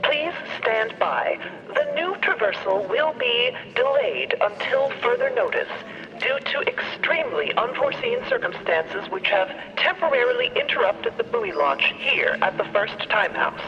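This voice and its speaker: A flustered live radio announcer, acted by a woman, formal and halting, with a high, swooping voice. It comes through a tinny, muffled radio filter with music behind it. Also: sing-song. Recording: muffled radio sound over loud music.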